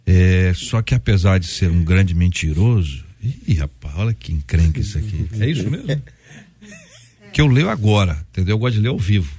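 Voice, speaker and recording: A Brazilian man hosting a radio debate show, joking and teasing his guests in a lively, chatty way. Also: deep voice, brisk, breathy edge. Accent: Brazilian Portuguese. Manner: jokey, teasing, talks over guests.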